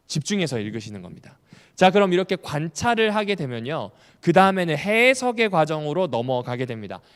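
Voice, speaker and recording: A man's voice: a little high, clean tone. A male pastor giving a Bible study lecture, asking the audience questions and repeating key points, with humorous asides. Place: church hall. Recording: long hall reverb.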